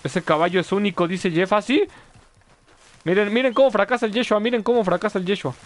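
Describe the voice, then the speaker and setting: A man's voice: high-pitched, a little fast. A man commenting live on his gameplay, chatting with viewers and yelping at mishaps. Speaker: gaming streamer.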